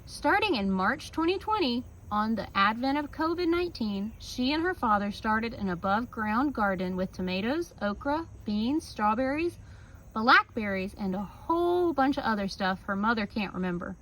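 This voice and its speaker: A woman reading a picture book aloud like a teacher, with casual asides and expressive, drawn-out emphasis on key words. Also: on the high side, poor audio. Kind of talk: children's story read-aloud with casual asides.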